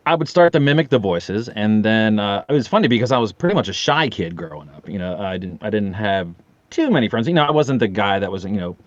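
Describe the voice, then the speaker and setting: A man's voice: lowish voice, lively intonation, fast talker, no room sound. Dull-sounding American man telling joking stories. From Maryland, USA. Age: 50s. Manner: joking, rambling, profane. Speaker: podcast guest, voice actor. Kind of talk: comic storytelling in a casual chat.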